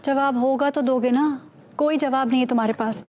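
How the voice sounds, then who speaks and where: A woman's voice: sits high, steady tone, moderate pace, muffled recording, natural voice. A woman playing a nagging wife. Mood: scolding. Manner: nagging, scolding. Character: exasperated wife scolding her husband.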